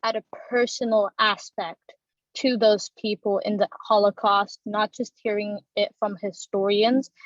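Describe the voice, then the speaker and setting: A teenage girl, a student on a panel, answering in a thoughtful, measured way. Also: mid-range voice, no room sound, lo-fi sound.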